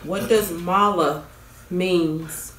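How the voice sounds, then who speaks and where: Low-voiced middle-aged woman. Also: fairly even intonation, drawn-out words, fairly bright tone. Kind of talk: casual chat. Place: home dining room. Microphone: camera across the table. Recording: echoey, distant camera mic, background noise.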